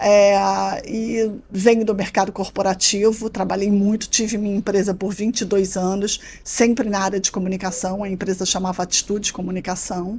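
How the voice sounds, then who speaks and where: In a Carioca accent, a somewhat breathy woman at medium pitch speaks at a moderate pace with hardly any pauses and monotone, flat intonation. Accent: carioca Brazilian Portuguese. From Rio de Janeiro, Brazil (Leme, Zona Sul). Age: 60s. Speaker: influencer, writer and columnist. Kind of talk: panel talk / business interview. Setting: business center event.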